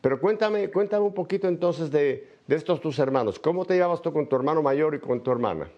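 A man interviewing a guest, attentive and prompting him gently with questions and short affirmations. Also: on the high side, animated, brisk. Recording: dull lo-fi sound.

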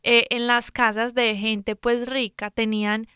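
A woman's voice: a little high, level tone, a little slow, pushed and bright, clean tone, dry recording, studio quality. A woman co-hosting a casual faith talk, retelling a Bible story in a chatty, folksy way with lots of "pues" asides. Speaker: Christian talk co-host.

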